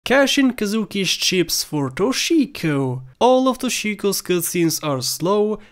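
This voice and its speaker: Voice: mid-range voice, very animated, measured pace. A video host delivering scripted commentary for a countdown.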